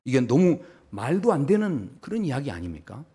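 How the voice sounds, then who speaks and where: A man's voice: medium pitch, normal speed, breathy edge. A man preaching a Sunday sermon as pastor, telling stories and acting out little voices as he goes. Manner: storytelling with lively acted-out voices for body parts.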